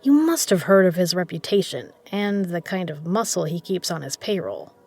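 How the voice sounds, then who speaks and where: A woman playing a shrewd poker legend who runs an underground casino, speaking in a measured, persuasive way in a scripted audio drama. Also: lowish voice, expressive, a little mellow, breathy edge. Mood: probing, knowing.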